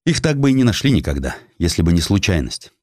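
Low-voiced man narrating history. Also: very animated, fast, darkish tone, no room sound, studio quality. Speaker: audiobook narrator. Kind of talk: scripted dramatic narration of a historical essay.

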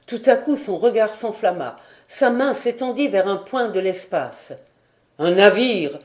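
A woman's voice: mid-range voice, expressive, a little slow, darkish tone. A woman narrating a classic adventure novel as an audiobook, reading expressively and dramatically. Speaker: audiobook reader.

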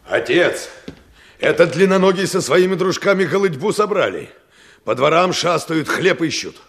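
Young village son rushing in w/ news, a bit higher voice, faint hiss. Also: male voice, expressive, fairly bright tone. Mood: urgent. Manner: urgent reporting. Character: young peasant son, urgent and alarmed. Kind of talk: radio play acting.

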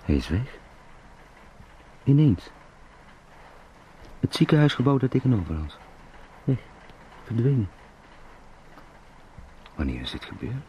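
An actor playing a travelling salesman turned beetle in a radio drama, thinking aloud in halting murmurs, oddly calm and resentful. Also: low voice, gravelly, a little hiss or hum, full character voice, rough recording. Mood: bitter, brooding. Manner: halting, murmured fragments, sometimes whispering. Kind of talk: radio drama, slow interior monologue.

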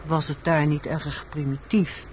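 An actress playing a weary, secretive woman in a radio drama, telling her story in a measured, matter-of-fact way. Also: deep voice, flat delivery, a little mellow. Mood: guarded, recounting. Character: weary, secretive woman confessing a wartime killing. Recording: muffled, noisy old radio recording.

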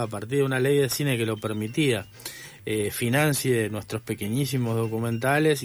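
A documentary film director with an Argentine accent, speaking reflectively in a radio studio interview and pausing often on filler sounds. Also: male voice, mid-range voice. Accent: Argentine Spanish.

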